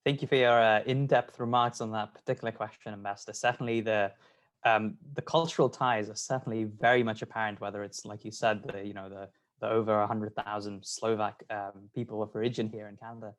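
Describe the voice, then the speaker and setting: A man interviewing a guest in a virtual discussion, asking questions in a measured way with frequent ums. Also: lowish voice, fairly even intonation. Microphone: video call.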